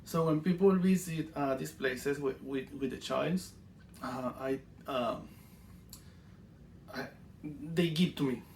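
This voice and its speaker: A man from Venezuela with a Venezuelan Spanish accent, teaching a simple spiritual ritual in halting, broken English with dry humor. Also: mid-range voice, creaky, a little mellow, a little hiss or hum. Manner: halting, many fillers and restarts, dry humor. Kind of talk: casual teaching monologue.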